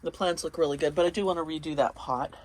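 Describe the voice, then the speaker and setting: Talking fast in a deep, steady, darkish voice that sounds congested and sniffly, this garden vlogger wanders her outdoor home garden in the early morning, chatting casually and pointing things out. There's slight background noise.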